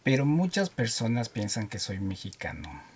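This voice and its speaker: A man from Ecuador with a Quito accent, a radio guest telling animated stories about himself. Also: lowish voice, moderate pace, breathy edge. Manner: animated storyteller, jokes and laughs often. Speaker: guest, driving instructor. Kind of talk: casual radio interview.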